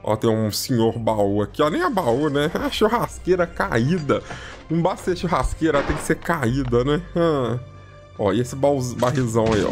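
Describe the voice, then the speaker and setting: A man giving casual, excitable commentary as he plays a video game, constantly calling out to his viewers. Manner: chatty, repeats "ó" and "galera" constantly; lively and excitable, jumps in pitch when surprised. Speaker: gaming YouTuber.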